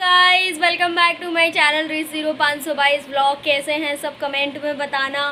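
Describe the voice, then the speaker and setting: A woman's raised, projected voice at an extremely high pitch, over noticeable background noise. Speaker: vlogger. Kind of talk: casual vlog monologue. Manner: blunt, assertive.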